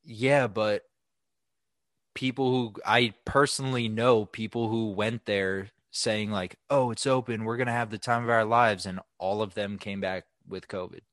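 A young man co-hosting a podcast, chatting casually in a blunt, profane, animated way. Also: on the low side, measured pace, no room sound, clean studio sound. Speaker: podcast co-host.

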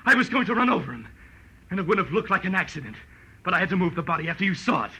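An actor playing a cowardly murderer in a 1940s radio crime drama, by turns menacing and pleading, with a raspy, strained voice. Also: male voice, sits high, sing-song, racing, pushed and bright, exaggerated voice, poor audio. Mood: cold menace.

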